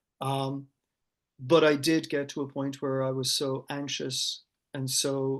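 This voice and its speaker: Against a quiet background, a man talks at a fairly high pitch with monotone, flat intonation. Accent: Irish. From Ireland. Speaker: paediatric anaesthetist. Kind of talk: casual chat. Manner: halting.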